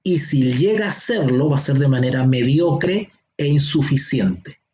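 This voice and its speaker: A man with a Chilean accent teaching a Bible seminar online. He explains slowly, stretches key words and keeps checking that his listeners follow. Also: mid-range voice, animated, warm tone. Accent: Chilean Spanish. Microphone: online class or teleconference.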